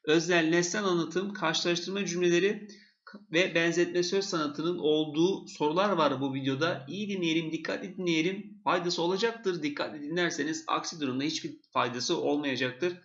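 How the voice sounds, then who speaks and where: Gravelly-voiced male teacher, steady and repetitive, talking through test questions, dull lo-fi sound. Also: on the high side, normal speed. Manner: explains step by step, repeats key points. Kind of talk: exam question walkthrough.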